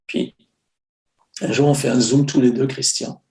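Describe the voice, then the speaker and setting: A man's voice: medium pitch, fairly even intonation, unhurried, warm tone. A man with a French accent, hosting an online Christian meeting over a video call, talking casually with many fillers and restarts. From France. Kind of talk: casual conversational sharing.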